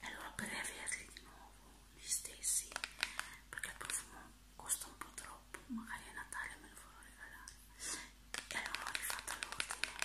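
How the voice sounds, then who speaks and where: Whispering at a moderate pace, a woman makes big swings in loudness and leaves long, frequent pauses. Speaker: ASMR creator. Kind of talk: ASMR whispered haul talk. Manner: whispered. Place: home room. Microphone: phone near.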